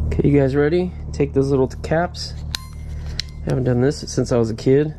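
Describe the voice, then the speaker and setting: A middle-aged man talks his way through a storage locker in easy, casual commentary, breaking into excited whoops whenever something good turns up. His voice sits at an ordinary middle pitch, caught by a head-mounted camera with clear noise behind him. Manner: excited exclamations over finds. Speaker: storage unit reseller. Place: storage unit. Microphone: head-mounted action camera. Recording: noisy storage unit recording.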